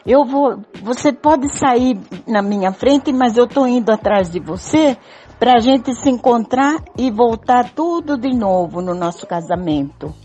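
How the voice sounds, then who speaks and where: A woman's voice: fairly high pitch, expressive, measured pace, mellow. An older woman playing a devoted, clinging wife in an amateur radio soap. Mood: pleading. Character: devoted, clinging wife begging her husband. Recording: dull lo-fi recording.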